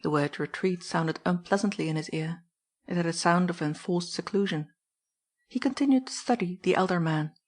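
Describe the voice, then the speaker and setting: A woman narrating an audiobook novel in a steady, plain manner. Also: lowish voice. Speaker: audiobook reader.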